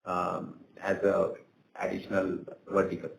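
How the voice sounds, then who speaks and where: A man answering questions as a company executive on an earnings call, phrasing things haltingly. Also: low voice, completely flat delivery, vocal fry. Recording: roomy echo, faint background noise.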